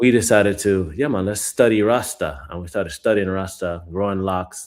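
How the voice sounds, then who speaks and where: A man with a plain, everyday voice speaks in an American accent at a moderate pace, his pitch fairly low with ordinary variation. His loudness swings widely. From US South, Alabama and Jamaica. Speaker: vegan bodybuilder and coach. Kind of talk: interview.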